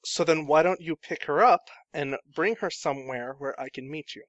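A man voicing a calm, businesslike male go-between in a tabletop game, polite and matter-of-fact. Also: fairly high pitch, moderate pace, no echo, dull audio, lightly acted.

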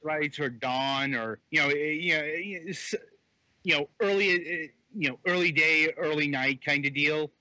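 A man co-hosting a laid-back game review chat, halting often with fillers and restarts. His voice sits fairly high and bright. It comes through a dull, lo-fi phone microphone with no room sound. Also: dry recording. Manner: hesitant, many fillers and restarts. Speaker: podcast co-host reviewing games. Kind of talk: casual chat.

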